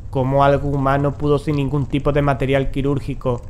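A man playing a grave, determined occult investigator in a horror audio drama, speaking in a solemn, measured way. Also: medium pitch, completely flat delivery, a little mellow, a little hiss or hum, natural voice. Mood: grave, ominous.

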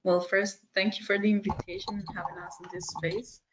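A woman's voice: mid-range voice, flat delivery, a little fast, highs cut off, noisy background. A woman in her thirties from Costa Rica, answering interview questions casually on a webinar and laughing often. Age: 30s. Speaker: webinar guest. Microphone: video call.

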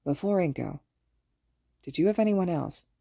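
A woman voicing a gentle, patient man in an audiobook, speaking softly and calmly. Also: lowish voice, moderate pace, vocal fry, dry recording, studio quality. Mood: soft, probing. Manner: soft-spoken, calm, probing.

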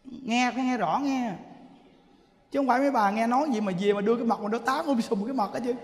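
A man with a Southern Vietnamese accent preaching a Buddhist sermon, emphatic and full of rhetorical questions, sometimes dropping to a soft chant. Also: very high voice, fast talker. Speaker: Buddhist teacher. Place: temple hall. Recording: echoey hall reverb.

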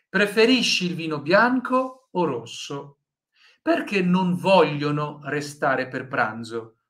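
Slow-talking Brazilian man teaching Italian. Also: fairly high pitch, a bit bright. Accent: Brazilian Portuguese. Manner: patient, corrects students by name, frequent "tá?" check-ins. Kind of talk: live online language lesson.

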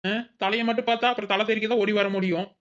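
A woman's voice: mid-range voice, steady tone, fast, lo-fi sound, natural voice. A woman voicing a flustered young village woman in a cartoon, who wails and repeats herself frantically. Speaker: cartoon character.

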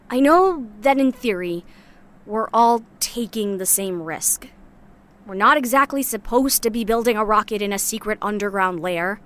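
A woman's voice: medium pitch, expressive, a little slow, pauses often, a bit bright. A woman playing a guarded, cynical young scrap scavenger in a sci-fi audio drama, talking bluntly and casually with sardonic bite. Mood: exasperated, sarcastic. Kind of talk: audio drama monologue, naturalistic.

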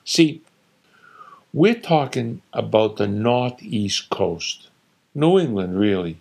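Guy putting on a loud know-it-all dad, higher than his own gravelly voice, scoffing and ranting. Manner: blustering, dismissive, rattling off rapid-fire insults. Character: opinionated older father boasting about his home state. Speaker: narrator voicing his father.

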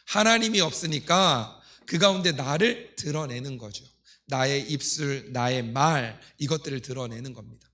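Fairly high-pitched, bright and forceful, a middle-aged pastor expounds scripture to his congregation from an indoor pulpit. His delivery is didactic, built around rhetorical questions and readings he leads.

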